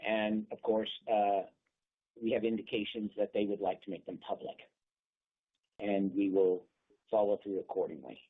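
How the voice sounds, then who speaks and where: A man speaking as a company executive, giving unscripted answers on an earnings call in a halting way, repeating words as he goes. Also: lowish voice, level tone, breathy edge. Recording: thin phone-line conference call.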